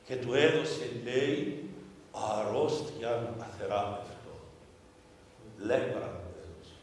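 A man with a Cypriot Greek accent, a bishop giving a sermon in a slow, storytelling manner. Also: medium pitch, slight background noise. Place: chapel during a vigil service. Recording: echoey chapel reverb with faint ambience.

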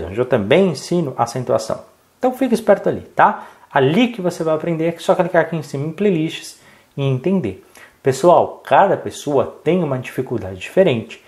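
A man with a Brazilian accent teaching an exam-prep lesson, explaining step by step and constantly checking in with "right?" tags. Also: fairly high pitch. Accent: Brazilian Portuguese. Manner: lively, peppers speech with "tá bom?" and "né?" checks; explains step by step, asking and answering his own questions.

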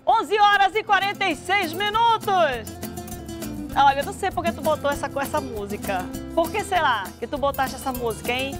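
A woman, hosting a TV show in a studio, playful and teasing with animated exclamations. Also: sits high, normal speed, music in the background. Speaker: TV show host. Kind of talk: lively studio talk. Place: bright TV studio.

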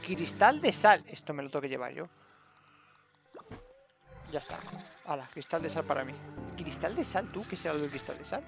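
Man, high lively voice, gravelly edge, game commentary. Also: normal speed, long pauses, over music. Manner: excitable, talks to viewers as "gente". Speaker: gaming streamer. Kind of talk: let's play commentary.

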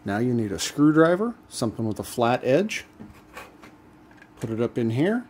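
Man calmly walking through a repair. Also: medium pitch, normal speed, a little hiss or hum. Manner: relaxed step-by-step explaining while working hands-on. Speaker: DIY channel host. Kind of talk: casual how-to demonstration.

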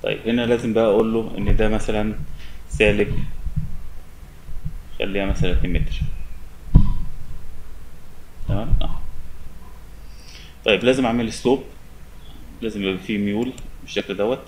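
A young man with an Egyptian Arabic accent giving a relaxed, step-by-step software tutorial at his desk. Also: fairly low pitch, brisk, long pauses, a little hiss or hum, low-quality recording. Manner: relaxed, step-by-step explaining with many fillers. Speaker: software instructor. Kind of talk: screen-recorded software tutorial.

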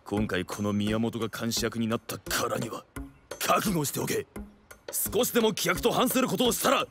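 An actor playing a stern but easily flustered black-suited guard in an anime, clipped and commanding, melodramatic when rattled. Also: male voice, mid-range voice, normal speed, music in the background, lightly acted. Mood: stern, menacing. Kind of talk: dramatic Japanese anime acting.

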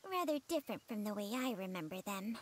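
A woman's voice: medium pitch, lively intonation, fast talker, natural voice. A woman voicing a haughty, sardonic white serpent spirit in a game. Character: dry-witted white serpent spirit, female.

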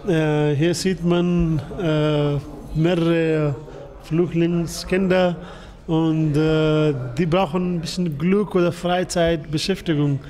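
A man's voice: fairly high pitch, flat delivery, slow pace, warm tone. A man in his thirties, a refugee TV reporter, speaking earnestly with many hesitations and filler sounds in a small office. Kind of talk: interview answers, unscripted.

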